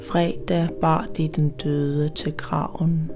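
Radio play role: brooding poetic narrator played by a woman, low and very unhurried, music underneath. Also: flat delivery.

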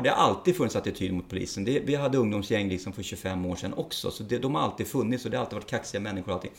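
A middle-aged man, a police officer, speaking frankly and plainly in an interview, with some swearing. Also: medium pitch. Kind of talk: interview conversation.

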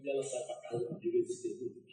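A middle-aged man preaching a sermon, telling family stories with emphatic swings in loudness. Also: mid-range voice, wildly swooping pitch, fairly quick. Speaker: pastor. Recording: echoey church hall from far off.

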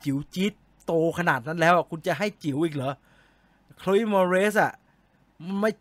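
A man with a high, bright voice chats casually with his live-stream viewers, reading their comments aloud and answering with jokes. His voice sits close to the mic in a dry, deadened space. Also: moderate pace, dry recording. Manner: chatty, joking, reads comments aloud and answers them.

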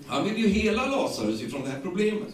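Swedish preacher man in an echoey hall. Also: sits high. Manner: lively storytelling, retelling the scripture in casual speech with many repeated words. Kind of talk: sermon. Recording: echoey, distant room sound.

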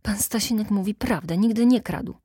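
A nervous, indignant lady, as a woman reads her hisses her protests in a hushed whisper. The audio is dry and close. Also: medium pitch, normal speed, husky, no room sound.

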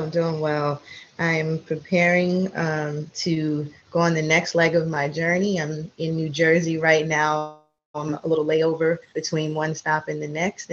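A woman guest on a podcast, chatty and relaxed, with many fillers and restarts. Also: low-pitched, slight background noise. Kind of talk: casual interview chat. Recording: slightly dull audio.

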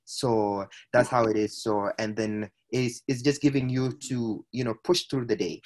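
A man's voice: medium pitch, steady tone, unhurried, darkish tone. A man, a podcast guest recounting his life in a hesitant way, with frequent filler sounds and restarts. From Ethiopia. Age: 20s. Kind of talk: personal storytelling in conversation.

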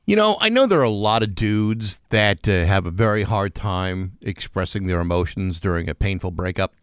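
Casting: American man, sardonic morning-radio host, animated pitch swings, casual banter, dry studio mic. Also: normal speed, smooth, no room sound. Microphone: close studio microphone.

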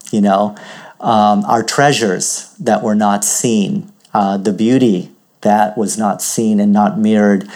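A man with a somewhat low voice speaks slowly and reflectively, as in a spiritual teaching. He is from Uganda and weighs his words carefully, often pausing as he searches for the right phrase. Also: a little mellow. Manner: thoughtful, measured, pausing to find words.

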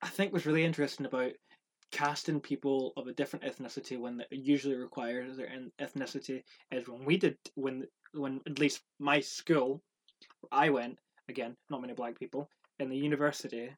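A man with a softened Scottish accent, co-hosting a casual podcast chat, talkative and quick to laugh and swear. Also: medium pitch. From Scotland. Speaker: podcast co-host.

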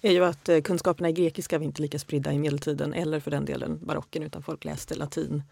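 A woman's voice: sits low, flat delivery, creaky, darkish tone, breathy edge, dry recording. A woman speaking as a guest in a podcast discussion, assured and opinionated.

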